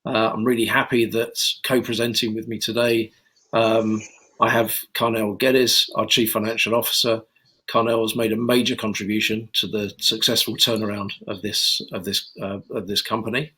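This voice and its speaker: A man's voice: lowish voice, flat delivery, moderate pace, sharp tone, husky, low-quality recording. A man giving a direct, earnest investor presentation as chief executive. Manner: direct, earnest, some fillers.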